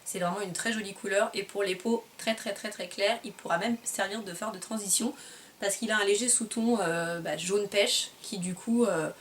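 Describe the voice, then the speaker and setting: Woman beauty vlogger, mid pitch, chatty review that hunts for words, voice a touch far from the mic with faint hiss. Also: moderate pace. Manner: chatty, searching for words, self-correcting. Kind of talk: casual product review.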